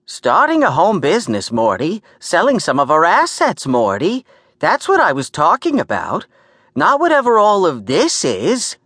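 Male narrator as aging New York woman, raised shrill pitch, bossy, complaining, swooping delivery, storybook character. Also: huge pitch swings, normal speed, dry recording, clean studio sound, heavily acted. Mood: scolding. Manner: sharp, scolding, exasperated. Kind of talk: audiobook character acting.

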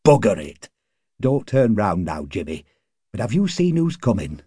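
A man's voice: on the low side, sing-song, unhurried, mellow, breathy edge, no echo, clean studio sound, exaggerated voice. A man voicing an irritable, cynical working-class card player in an audiobook, grumbling in colloquial, sweary speech. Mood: alarmed, annoyed. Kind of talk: audiobook character acting.

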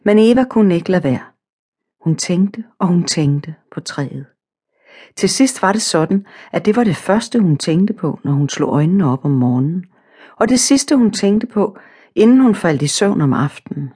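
A woman narrating a children's storybook audiobook in a calm, simple, measured way. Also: mid-range voice, husky.

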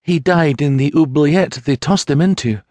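A man's voice: on the high side, dark tone, no room sound, voice pushed up, lightly acted. A man voicing a tearful young peasant mother. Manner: halting, broken phrases.

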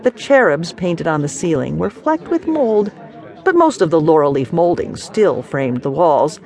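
A woman narrating a novel as an audiobook, measured and expressive. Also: sits low. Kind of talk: scripted narration.

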